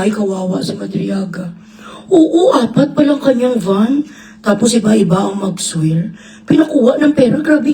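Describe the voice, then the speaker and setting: High-voiced woman ranting crudely. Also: warm tone, far from the mic, low-quality recording. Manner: crude, mocking, profanity-laden ranting. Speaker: reaction vlogger. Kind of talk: livestream reaction commentary.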